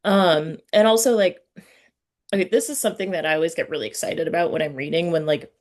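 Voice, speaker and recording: Female interviewer with a low voice; relaxed conversational hosting, informal phrasing. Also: quick pace. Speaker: interviewer, host.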